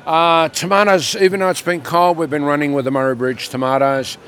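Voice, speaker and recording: An older man, a market produce seller in casual radio chat, his voice croaky from a cough, plainspoken and practical. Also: a little high, little pitch movement, fairly quick, fairly bright tone.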